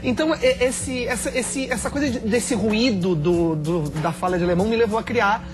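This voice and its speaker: A man, a comic actor, explaining his work quickly on a TV talk show with restarts. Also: high-pitched, music in the background.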